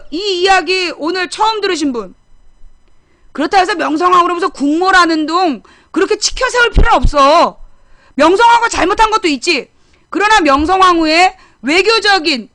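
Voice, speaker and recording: A woman's voice: very high-pitched, sharp tone, no room sound, clean studio sound. A middle-aged woman hosting a current affairs talk show, explaining history casually and bluntly, firing off rhetorical questions.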